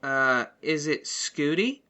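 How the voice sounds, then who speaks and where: Woman as a bright-voiced, hesitant young hero. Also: sits low, animated, takes it slowly, exaggerated voice. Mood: unsure, hopeful. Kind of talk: scripted audio fiction acting.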